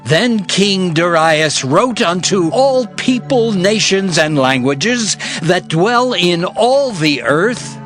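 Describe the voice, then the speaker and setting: A man's voice: sits high, expressive, takes it slowly, hardly any pauses, fairly bright tone. A man narrating scripture dramatically, in a solemn storytelling manner. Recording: clear music behind the voice.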